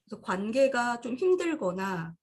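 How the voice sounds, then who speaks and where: A woman co-hosting a psychology talk show, calmly explaining ideas with acted-out example thoughts. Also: on the high side, moderate pace, husky. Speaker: podcast co-host. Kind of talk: casual explanatory chat.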